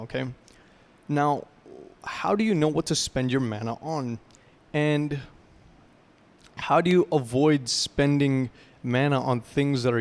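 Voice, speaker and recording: A man's voice: medium pitch, a little mellow. Young guy vlogging self-improvement stuff, casual and rambly, keeps saying right and like. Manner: loose, rambling, lots of "right?" and "like"; explains through gaming comparisons. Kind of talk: casual motivational talk to camera.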